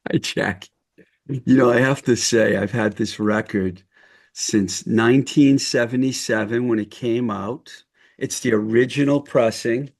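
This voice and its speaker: A man's voice: medium pitch, a little slow. A man hosting a casual podcast interview, eager and admiring as a fan. He often restarts and rephrases his questions mid-sentence. He speaks over a video call. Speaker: podcast host.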